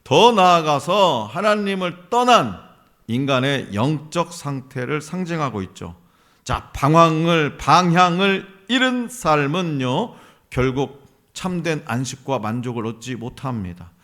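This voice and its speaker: Animated high-voiced male pastor preaching. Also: unhurried. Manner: emphatic, asks the congregation questions and answers them. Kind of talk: sermon. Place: church sanctuary.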